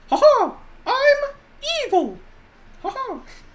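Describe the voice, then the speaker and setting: An extremely high-pitched, put-on character voice. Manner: cartoonish, gleefully evil.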